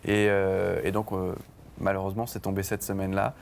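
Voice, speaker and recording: In a TV studio, a male band songwriter chats casually as an interview guest, hesitating often and restarting his sentences among many fillers. His voice is low, level, gravelly, and brisk. Slight background noise can be heard.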